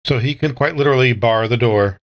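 Mid-pitched man playing a tabletop game. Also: fast talker. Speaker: player in a tabletop roleplaying game. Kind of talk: casual improvised game talk.

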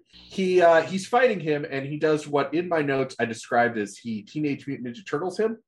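A man hosting a chatty podcast, recapping a comic story with lots of laughter. His pitch swoops up and down with lively, expressive energy. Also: normal speed. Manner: animated storyteller, laughs while talking. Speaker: podcast host. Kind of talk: casual comic recap chat.

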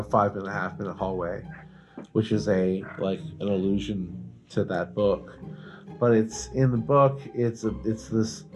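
Male podcast co-host, low voice, informal and emphatic, loose profane storytelling over a music bed. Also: darkish tone. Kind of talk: casual banter and storytelling.

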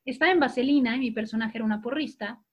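A woman, an actress and TV host, telling stories in a lively, animated way during a casual remote conversation. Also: fairly high pitch, very fast, highs cut off. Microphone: video call.

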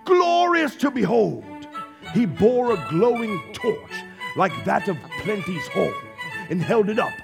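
A man playing a storybook narrator in a staged radio play, telling the tale in an expressive, drawn-out, dramatic way. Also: high-pitched, vocal fry, full character voice. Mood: wondrous. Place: theater stage. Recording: live stage recording with music underneath.

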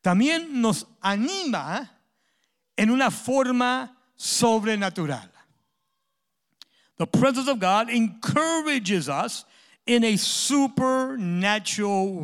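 A male pastor preaching a bilingual sermon, saying each point in Spanish and then again in English, tacking a drawn-out "ah" onto his phrases and swinging between loud emphasis and near-whispers. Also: high-pitched. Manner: swings from loud emphatic lines to hushed ones.

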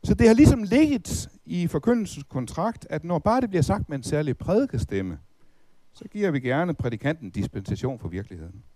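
A man's voice: on the high side, sing-song, mellow, dry recording. A middle-aged man preaching a Bible teaching talk, asking rhetorical questions and reciting hymn verses.

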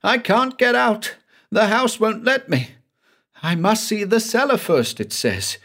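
A man's voice: lively intonation, unhurried, a bit bright, full character voice. A man doing a shrieking terrified haunted man. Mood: frightened. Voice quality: shrill, frantic. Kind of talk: dramatic audiobook reading.

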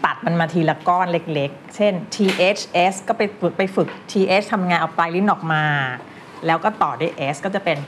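A woman from Thailand coaches her students one word at a time, lively and teasing as she corrects them. Her voice sits a little low, and a faint hiss runs underneath. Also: a little fast. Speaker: pronunciation teacher.

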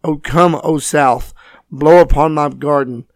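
A man with a scratchy, hoarse voice, teaching and reading scripture as host of a Bible program. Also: fairly high pitch, steady tone, unhurried, dry recording. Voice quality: scratchy, raspy. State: hoarse from voice loss, recovering.

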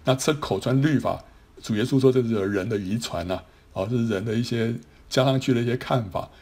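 A man's voice: mid-range voice, fairly quick, darkish tone. A man teaching a Bible class, explaining step by step with many trailing particles and small restarts. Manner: explanatory, frequent sentence-final particles and restarts.

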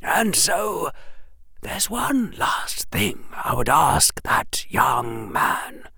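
A reader voicing an ancient, gentle wizard headmaster in a slow, hushed, breathy whisper. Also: mid-range voice, sing-song, dry recording, pitched above the performer's own voice, full character voice. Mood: puzzled, gentle. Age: over 100 (figure).

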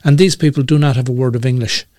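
A man in his sixties with an Irish accent, talking as a radio broadcaster in a measured, thoughtful way with many pauses and fillers. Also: mid-range voice, steady tone, darkish tone, no echo, clean studio sound. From Ireland. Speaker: guest, community radio broadcaster. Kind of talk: conversational interview.

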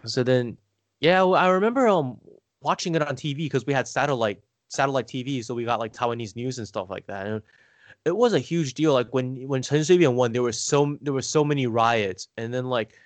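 A man's voice: medium pitch, a little fast, no room sound. Rambling man, dry close sound. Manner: rambling, hesitant, frequent filler "like". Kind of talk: casual conversation.

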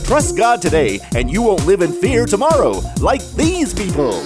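A woman's voice: medium pitch, wildly swooping pitch, moderate pace. An earnest, preachy cartoon turtle acted by a woman warns of doom in a comedy sketch. The delivery swings animatedly over backing music. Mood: earnest preaching. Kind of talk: scripted comedy sketch monologue.

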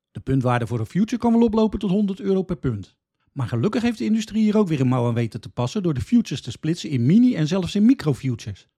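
Husky man, lively podcast host. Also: fairly high pitch. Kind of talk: scripted explanatory podcast narration.

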